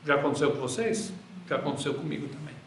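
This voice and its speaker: A man's voice: on the high side, expressive, fast, slight background noise. A man teaching a Bible class to a group, preaching earnestly in a room with a projector, repeating phrases for emphasis. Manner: earnest, repetitive preaching cadence. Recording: roomy echo in a hall.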